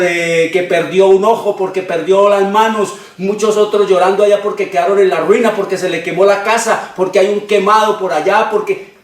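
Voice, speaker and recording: A man preaching a sermon in long repeated lists, often pausing with "eh". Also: high voice. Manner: frequent hesitations with "eh". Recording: roomy, distant from the mic.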